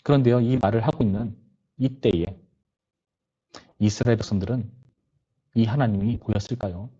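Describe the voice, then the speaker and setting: A man's voice: on the low side, normal speed, warm tone, slightly rough, dull audio. A young man, a youth pastor, giving a conversational sermon to teenagers and voicing their complaints and questions. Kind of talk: sermon to teenagers over video call.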